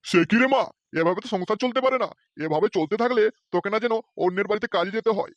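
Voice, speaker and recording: A man's voice: high voice, fast, no echo, studio quality, lightly acted. A man voicing a stingy, scheming old father-in-law in a cartoon who whines and wheedles. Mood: wheedling. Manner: wheedling, self-pitying. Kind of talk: cartoon voice acting.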